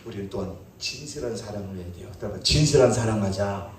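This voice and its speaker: A man preaching a sermon as pastor, playful and animated, calling out questions to his congregation. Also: fairly low pitch, fast, recorded from a distance, slight background noise. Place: church sanctuary. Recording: echoey church hall, mic from afar.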